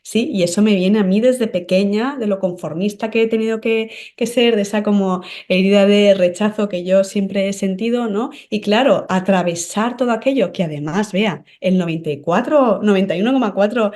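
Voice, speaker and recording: A woman in a podcast conversation who speaks at a middling pitch with an earnest, explanatory manner. She walks through her ideas step by step, regularly checking in with the listener with short questions, in the steady tone of someone used to giving spiritual guidance. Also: moderate pace, hardly any pauses. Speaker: medium and psychic guest.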